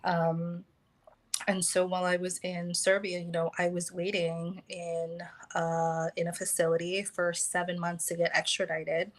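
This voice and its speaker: Woman from the US, hesitant, lots of fillers, a bit low-pitched. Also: flat delivery, measured pace. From United States. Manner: hesitant, many fillers and restarts. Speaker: guest. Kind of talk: casual conversation.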